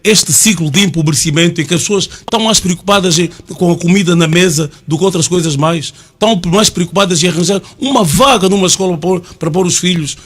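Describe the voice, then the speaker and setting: A man's voice: sits high, fast talker, few pauses, fairly bright tone. A man in his sixties with an Angolan Portuguese accent, hosting a studio panel debate and insistently pressing his guests with his question. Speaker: debate show host.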